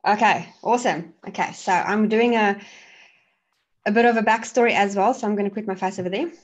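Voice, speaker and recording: A woman's voice: mid-range voice, brisk, dull audio. Woman, thirties, friendly and eager, video call guest. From South Africa. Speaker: podcast guest. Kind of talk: casual presentation.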